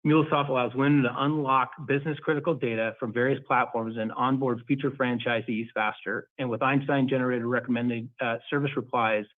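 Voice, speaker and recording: A man speaking as a company executive, reading a prepared earnings call presentation in a formal, measured corporate manner over a phone-like conference line. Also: mid-range voice, no echo.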